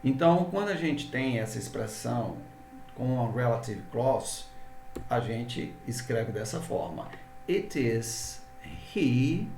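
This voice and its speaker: A man's voice: mid-range voice, creaky, roomy sound, recorded from a distance, a little hiss or hum. A man with a Brazilian Portuguese accent, an English teacher explaining grammar step by step and often checking in with his students. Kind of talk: grammar lesson.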